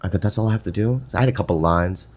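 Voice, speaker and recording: Animated, laughing male storyteller. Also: fairly low pitch, rapid-fire. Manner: animated, laughs often, swears freely. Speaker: podcast host telling a story. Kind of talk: casual storytelling chat.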